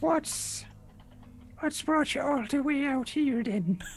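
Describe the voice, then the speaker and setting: A man's put-on character voice, extremely high-pitched, at a fairly slow pace over clear background noise. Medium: actual play. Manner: chatty, warm, fussy with questions.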